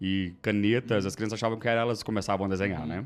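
A man's plain, everyday voice, fairly low in pitch, at a fairly quick pace against a quiet background. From Santa Catarina, Brazil (Balneário Camboriú). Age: 30s. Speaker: interior designer. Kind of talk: interview. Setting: podcast studio at a design exhibition.

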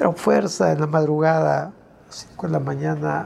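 A man is heard over noticeable background noise. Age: 50s. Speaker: community journalist and former detainee. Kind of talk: testimony.

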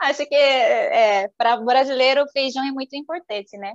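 A woman with a Korean accent speaks at a moderate pace in a high voice with ordinary pitch variation. The sound is dry and close with no echo, over a quiet background. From South Korea. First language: Korean (speaking Portuguese). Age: 30s. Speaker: Korean language teacher and youtuber. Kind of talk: interview conversation. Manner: halting.

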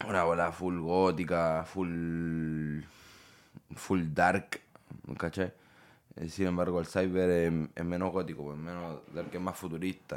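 In a Chilean accent, a man with a very deep, low pitch speaks at a very slow pace in a monotone, flat intonation, with long, frequent pauses. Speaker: trap musician. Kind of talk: casual chat. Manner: outgoing.

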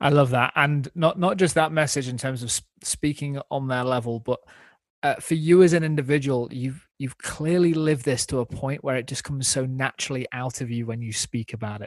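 In a plain, everyday voice, a man talks at a fairly quick pace and medium pitch with ordinary pitch variation. The sound is dry and close with no echo, and the background is quiet. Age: 30s. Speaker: podcast host. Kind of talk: interview.

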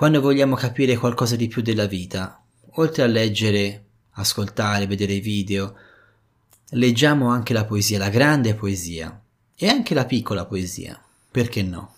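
Speaking at a moderate pace, a man uses a medium pitch with ordinary pitch variation. His speech has long, frequent pauses. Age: 30s. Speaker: podcast host and poet. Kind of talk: reflective monologue.

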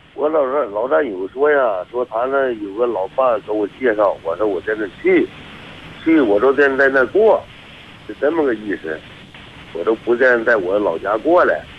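Noticeable background noise sits behind a man speaking at a moderate pace and medium pitch. His pitch variation is ordinary, and he makes long, frequent pauses. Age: 60s. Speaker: retired army veteran, caller. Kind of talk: phone-in call. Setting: phone call. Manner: quiet.

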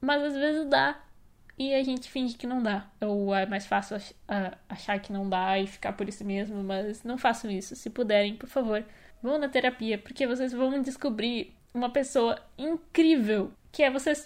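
Against a quiet background, a woman with a high pitch and ordinary pitch variation talks at a fairly slow pace. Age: 20s. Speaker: YouTuber and podcast host. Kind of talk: casual solo monologue. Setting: home, alone.

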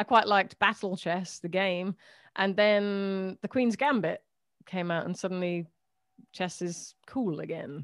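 In an English Midlands accent, a woman speaks at a fairly slow pace with ordinary pitch variation, recorded very cleanly against a silent background with a dry, close sound and no echo. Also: medium pitch for a woman. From England, Coventry. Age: 40s. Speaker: podcast host. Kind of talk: casual chat.

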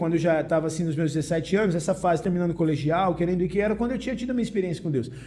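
Very fast speech comes from a man with a high voice and ordinary pitch variation. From Rio de Janeiro, Brazil. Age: 30s. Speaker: podcast host. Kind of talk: casual chat.

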